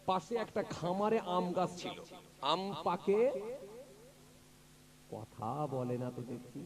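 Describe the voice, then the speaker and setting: A man preaching a sermon, telling a folk story with lively voices for each character and often checking whether the listeners follow. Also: high-pitched, slow. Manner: animated storyteller acting out characters, often asking the crowd if they follow. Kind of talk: sermon storytelling at a religious gathering.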